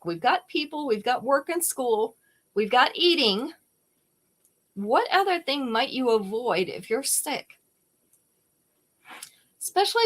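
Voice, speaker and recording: This high-pitched woman hosts a jewelry sale on a live stream, showing the pieces one at a time. Her tone is casual and chatty, and she welcomes viewers by name.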